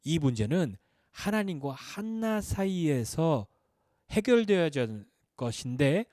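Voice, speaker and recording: A man's voice: fairly high pitch, takes it slowly, dry recording, clean studio sound. A man preaching a Sunday sermon as pastor, asking questions and answering them, his voice rising and dropping for emphasis. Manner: lively, questioning, rises and drops for emphasis.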